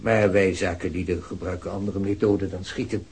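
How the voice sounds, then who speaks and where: An actor in a radio play playing a cool, evasive male company executive who answers police questions curtly and condescendingly, with a husky voice. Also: low voice, steady tone, brisk, darkish tone, exaggerated voice. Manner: curt, guarded, condescending. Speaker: business executive. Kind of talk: Dutch radio play acting.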